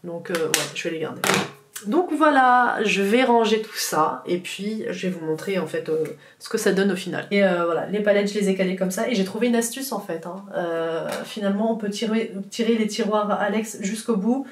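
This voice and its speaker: A woman's voice: mid-range voice, brisk, hardly any pauses, far from the mic. Chatty woman in an echoey room. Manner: chatty and relaxed, with frequent fillers and slang. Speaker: beauty vlogger. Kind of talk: casual chat while sorting makeup. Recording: echoey room, voice off-mic, faint background noise.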